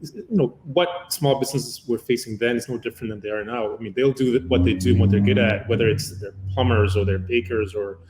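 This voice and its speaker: A man's voice: mid-range voice, a little fast, few pauses, reverberant, noisy background. A man in his fifties from Uganda, a company founder giving a long, rambling interview answer full of "uh" fillers. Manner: long-winded, many "uh" fillers.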